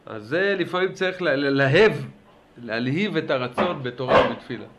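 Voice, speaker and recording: A man teaching a religious class in a lively lecture style, urging his listeners on and asking them questions. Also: medium pitch, heavy background noise. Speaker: Torah teacher.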